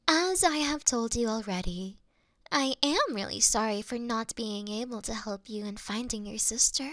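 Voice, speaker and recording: A woman playing a mischievous, affectionate fox-spirit shrine priestess in an intimate roleplay, coy and teasing, often slipping into a breathy whisper. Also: fairly high pitch, fairly bright tone, no room sound, clean studio sound. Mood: tender, reassuring. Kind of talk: intimate roleplay ASMR acting.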